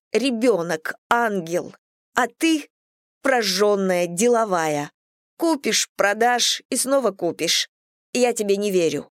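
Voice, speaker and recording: A woman reader doing a resentful caretaker woman, her voice pushed higher than the narration and dragged out slowly into hissing, heavy reproaches. The reading sounds close and dry, with no room around it. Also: dry recording, lightly acted.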